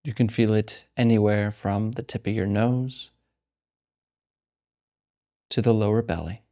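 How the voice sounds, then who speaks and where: A man leading a guided meditation as a teacher, speaking calmly and unhurriedly with long pauses. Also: on the low side.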